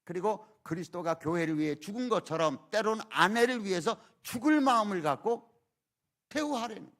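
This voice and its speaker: A man's voice: high voice, lively intonation, a little fast, fairly bright tone. An older man, an emeritus pastor, preaching a sermon in church with emphatic rhetorical questions. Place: church sanctuary.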